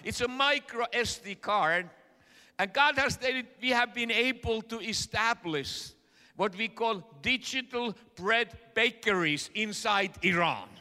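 A middle-aged man from Finland with a Finnish accent, preaching a sermon and interpreting in an earnest, halting way with many fillers. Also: high voice, bright, forceful tone. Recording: echoey hall.

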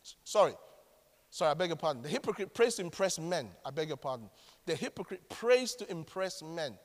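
A man with a Ghanaian accent preaching a sermon in a dramatic, animated way. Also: on the high side, brisk, long reverb tail. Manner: dramatic, animated, mimics other pray-ers.

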